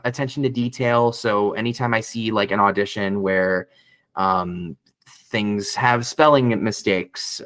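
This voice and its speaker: A man's voice: a bit bright, no room sound. A man who is a voice actor, talking casually in an interview, rambling with many restarts and fillers. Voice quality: some bass in the voice. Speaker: voice actor guest.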